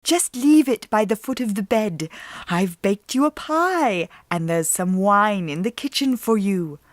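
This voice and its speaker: A woman's voice: medium pitch, animated, a little slow, no echo, studio quality, close to an everyday voice. A woman voicing an evil man who poses as a sweet, ailing old grandmother in a storybook reading, with a coaxing elderly lilt. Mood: sweetly coaxing.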